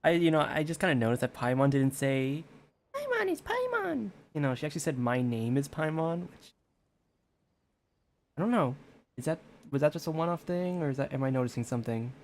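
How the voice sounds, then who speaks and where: A woman muses aloud while gaming. Her voice is low and lively, her delivery casual and rambling, with faint noise and game ambience behind her. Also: a little fast. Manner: rambling, musing. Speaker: gamer commentating on play.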